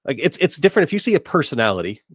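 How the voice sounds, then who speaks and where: A man's voice: fairly high pitch, sing-song, very fast, fairly bright tone, slightly rough, dry recording, clean studio sound. A middle-aged man in casual podcast discussion, hesitant and repeating words as he works out his thoughts. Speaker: podcast host. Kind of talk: casual discussion of tabletop gaming.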